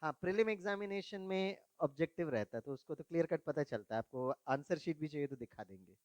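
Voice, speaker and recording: Slightly high, fairly quick and darkish in tone, with no room sound, a man delivers a spiritual talk to young people. Storytelling from his own life, he questions the audience and blends English words into Hindi.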